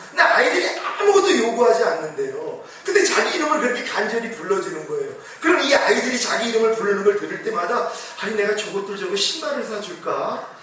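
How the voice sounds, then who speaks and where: A middle-aged man preaching a sermon as pastor, telling a personal testimony with emotion and rising to fervent exclamations. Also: a bit bright. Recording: boomy echo, distant mic, faint hiss.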